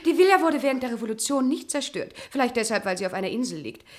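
An actress plays a female servant of a grand house in a crime radio play. Her voice sits high, and she speaks with ceremonious, haughty formality, as if instructing an ignorant visitor. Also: expressive, quick pace, a little mellow, close to an everyday voice. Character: formal, snobbish female villa servant showing visitors around.

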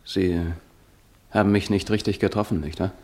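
An actor playing a wounded, anguished young student on the run in a German radio play, with a creaky, gravelly voice. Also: male voice, low-pitched, fairly even intonation, normal speed, darkish tone. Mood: anxious, pleading.

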